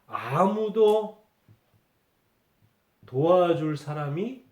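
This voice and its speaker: Male pastor, higher voice, Sunday sermon, repeats key words, reverberant hall. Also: expressive, drawn-out words, a little mellow. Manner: rhetorical questions answered himself, repeats key words. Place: church sanctuary.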